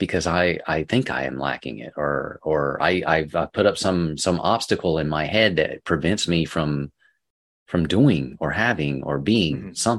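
A man's very deep, low voice with vocal fry and lively intonation, moderate pace, on a very clean recording with a silent background. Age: 40s. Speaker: strength coach and author. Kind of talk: casual interview.

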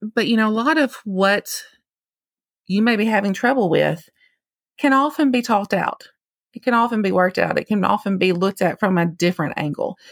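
On a very clean recording with a silent background and a dry, close sound with no echo, a woman with a Mississippi accent and medium pitch talks at a fairly quick pace with lively intonation and long, frequent pauses. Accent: Southern US, Mississippi. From Mississippi, US South. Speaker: attorney and food allergy parent. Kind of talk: informative interview answers.

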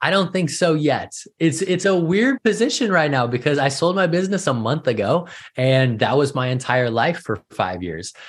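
Somewhat breathy male speech, fairly high for a man, with very wide pitch swings at a moderate pace. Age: 30s. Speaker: author and entrepreneur. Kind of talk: interview.

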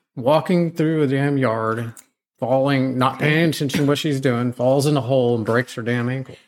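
With an unremarkable speaking voice, a man talks at a medium pitch and a fairly quick pace with fairly even intonation in a very clean recording with a silent background. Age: 40s. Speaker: pool business owner. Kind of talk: casual chat.

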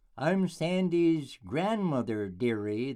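A man puts on a character voice at a fairly high pitch. He speaks at a very slow pace. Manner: mocking, sweetly menacing.

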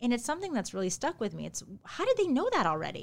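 A woman talks very fast with an American accent. Her pitch sits fairly high. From New York City area, US. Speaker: author. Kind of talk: interview.

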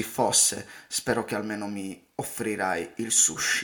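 A man's bright, sharp tone at a medium pitch. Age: 30s. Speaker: podcast host, youth leadership coach. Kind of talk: motivational monologue.

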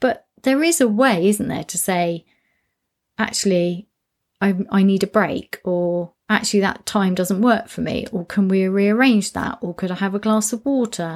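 A woman at medium pitch, fairly slow, with ordinary pitch variation, on a very clean recording with a silent background. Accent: British. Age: 50s. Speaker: coach and podcaster. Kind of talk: solo reflective monologue.

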